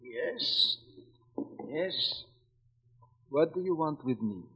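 An actor playing a shifty foreign handyman turned blackmailer, speaking halting broken English, in 1940s radio acting on an old radio show recording. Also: a little high, sing-song, bright, forceful tone, breathy edge, exaggerated voice. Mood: sly. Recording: dull old broadcast with long reverb.

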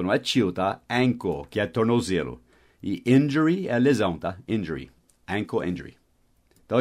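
A man's voice: mid-range voice, a little mellow. A man hosting a short podcast lesson, explaining English words in casual Portuguese, spelling them out letter by letter and often checking in with "tá?" and "né?". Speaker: English teacher and podcast host.

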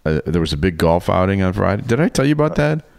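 Podcast co-host, middle-aged man, low voice, dry studio sound, chatty and laughing. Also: very animated, fast, vocal fry, a little mellow, no echo. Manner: laughs often, chatty storyteller. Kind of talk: casual chat.

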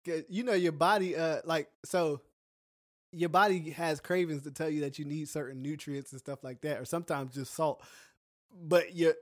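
A man's voice: fairly high pitch, steady tone, moderate pace, dry recording, clean studio sound. A man co-hosting a podcast, chatting casually and joking with playful exaggeration. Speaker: podcast co-host.

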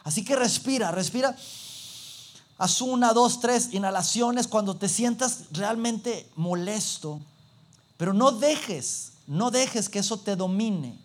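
A man preaching a sermon, animated and acting out little everyday scenes. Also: high-pitched, slow pace.

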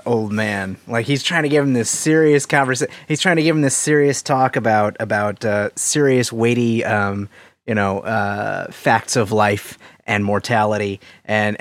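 A man in his mid thirties co-hosting a casual podcast, animated and earnest with jokes thrown in. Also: mid-range voice, no room sound, studio quality. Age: 30s. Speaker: podcast co-host.

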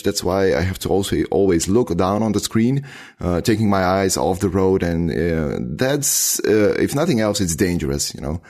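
A man speaking English as a second language, hosting a casual tech chat and pausing often with fillers. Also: low voice, darkish tone. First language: not English. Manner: hesitant, many filler pauses.

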